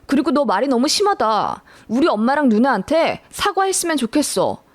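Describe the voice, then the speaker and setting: A woman's voice: high-pitched, very animated, normal speed, no room sound. A woman doing a defensive young fiancé. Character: defensive fiancé, young man siding with family.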